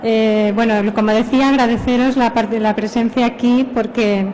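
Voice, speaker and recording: A middle-aged woman with a Spain Spanish accent, a university professor giving a conference talk in a relaxed, informal, slightly self-deprecating way. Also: fairly high pitch, moderate pace, rough recording. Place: conference room.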